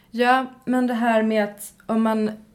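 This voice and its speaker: Very slowly, a woman talks with a fairly high pitch. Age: 30s. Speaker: social worker. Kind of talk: casual chat.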